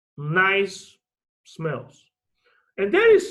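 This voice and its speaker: The speech moves at a very slow pace. Room echo can be heard. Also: man. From Bulgaria. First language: Bulgarian. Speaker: astrologer. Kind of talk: lecture.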